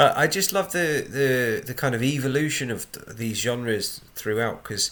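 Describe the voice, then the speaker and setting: At a moderate pace, a man with a southern English accent speaks at a medium pitch with ordinary pitch variation. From southern England. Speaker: podcast co-host. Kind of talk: casual chat. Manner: halting, repeats words.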